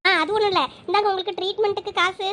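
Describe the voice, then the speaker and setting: A performer voicing a determined young village woman in a very high, quick cartoon voice with a Thoothukudi Tamil accent. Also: level tone, pushed and bright, slight background noise. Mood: earnest.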